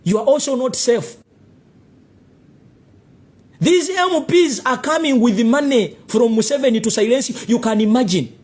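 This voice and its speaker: Ugandan guy ranting hard, high voice swinging all over, heated and accusing. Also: expressive, moderate pace, long pauses. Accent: Ugandan English. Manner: heated and accusing, repeating rhetorical questions; rising to near shouts. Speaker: political commentator. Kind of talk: impassioned political rant to camera.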